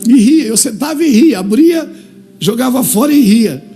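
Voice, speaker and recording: A man preaching a fervent sermon, acting out little dialogues and building up to shouts. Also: extremely high pitch, lively intonation, moderate pace, soft background music.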